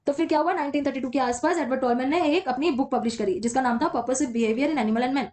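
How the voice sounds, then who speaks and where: A woman teaching an exam-prep class at a brisk clip. She works through the material step by step and slows down to read English textbook lines between her own explanations. Her voice sits high. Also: darkish tone.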